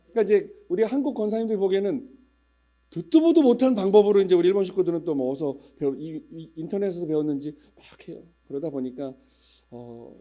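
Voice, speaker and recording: A man's voice: high voice, dark tone. A man in his fifties, a pastor, chatting humorously with his congregation and telling stories before his sermon. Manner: chatty, humorous storytelling with regional dialect imitations. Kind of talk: casual church announcements before a sermon.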